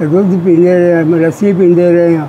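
A man with a Pakistani Punjabi accent talks at a very slow pace, his pitch high. Light background noise sits behind him. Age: 80s+. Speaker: ironsmith. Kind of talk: interview. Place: workshop. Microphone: lapel.

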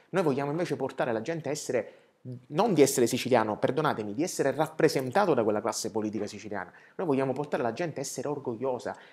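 A man's animated, medium-pitched voice with lively intonation at a very fast pace. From Sicily, Palermo; Sicily. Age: 20s. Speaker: political candidate; candidate. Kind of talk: interview. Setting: studio. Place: studio. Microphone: lapel.

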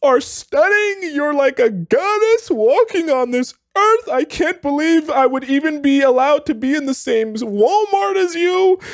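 This is a put-on character voice. It is shouting. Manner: yelling, over-the-top adoring.

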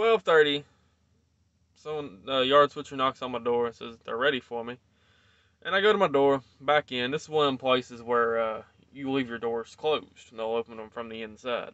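A man talks at a fairly quick pace with ordinary pitch variation and big swings in loudness. The sound is dry with no echo, over a quiet background. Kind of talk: casual vlog chat. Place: car. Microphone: phone near.

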